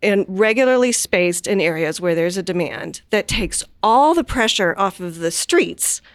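A woman's voice: mid-range voice, expressive, unhurried, dry recording, clean studio sound. A woman guest talking enthusiastically and with emphasis in a conversational discussion. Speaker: guest urbanist.

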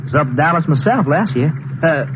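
A man's voice: on the high side, expressive, a little fast, natural voice. An actor playing an eager, naive young country man with a bashful, folksy manner in a western radio drama. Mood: eager, friendly. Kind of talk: 1950s western radio acting. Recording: muffled, noisy 1950s radio recording.

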